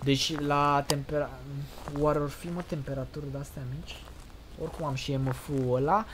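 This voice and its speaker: Excitable young male gaming streamer. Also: fairly high pitch, a little hiss or hum. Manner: excitable, slangy, talks to chat. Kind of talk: casual live gaming chat.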